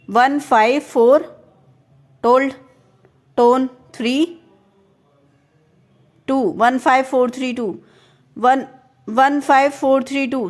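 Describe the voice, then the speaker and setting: A young woman from India with a high voice teaches a reasoning lesson. She works through each question step by step and keeps checking whether the viewer is following. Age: young adult.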